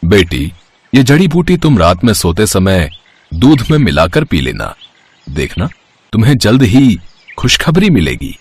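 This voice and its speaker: A man voicing a kindly, fatherly village herbal healer in a moral story cartoon, measured and reassuring. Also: lowish voice, big pitch swings, husky, exaggerated voice. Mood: kindly, assuring.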